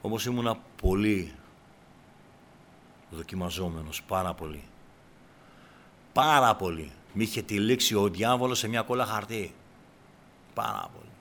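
A man preaching a sermon to his congregation, breaking into loud cries and then dropping back to a low, quiet voice. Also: long pauses, a little hiss or hum. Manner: shouts in bursts, then drops to a low, quiet tone; addresses the congregation as brothers.

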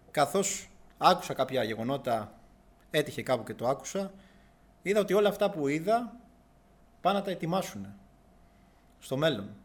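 A young man earnestly recounting a personal religious testimony in a halting, searching way. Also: fairly high pitch. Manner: earnest, halting, with restarts and long pauses.

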